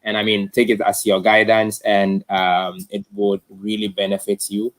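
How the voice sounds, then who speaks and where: A man's voice: on the low side, monotone, moderate pace. A man hosting an online tech talk in an informal, effusive way, often repeating himself. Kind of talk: informal live-stream hosting.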